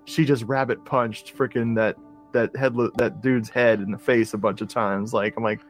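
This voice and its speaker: A man's voice: mid-range voice, steady tone, normal speed, soft background music. Rambling enthusiastic male podcast host. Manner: rambling, enthusiastic, frequent restarts. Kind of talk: casual chat about horror movies.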